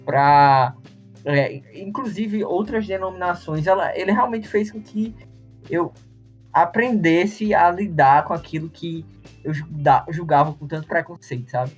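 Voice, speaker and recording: A man co-hosting a podcast, speaking in a reflective, halting way. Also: on the high side, soft background music. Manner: reflective, halting, tags with sabe. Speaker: podcast co-host. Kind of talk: casual chat.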